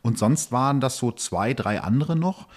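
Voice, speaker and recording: A man's voice: medium pitch, lively intonation, normal speed. A man talking in a casual, colloquial and self-ironic way, telling stories as a podcast guest. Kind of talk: casual chat, storytelling.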